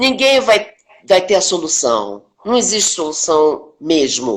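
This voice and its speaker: A woman's ordinary speaking voice, at a fairly slow pace with lively intonation. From Brazil, Rio de Janeiro. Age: 60s. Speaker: stage and screen actress. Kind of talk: interview.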